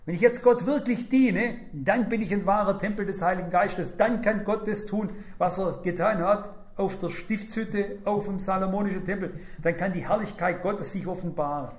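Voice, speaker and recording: A man's voice: sits high, normal speed, few pauses, echoey room. A man preaching a sermon, emphatic and speaking directly to his congregation.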